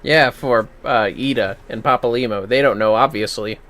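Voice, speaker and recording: A man's voice: mid-range voice, moderate pace, fairly bright tone. A man giving casual, sweary and reactive commentary while livestreaming a video game.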